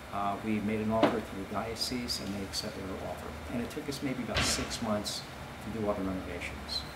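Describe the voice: Over clear background noise, a man talks at a fairly quick pace with fairly low pitch and fairly even intonation.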